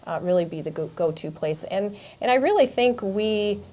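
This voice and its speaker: A woman, a guest professional giving halting, earnest, unscripted answers in an interview. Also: mid-range voice, expressive, mellow. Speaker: newspaper publisher being interviewed.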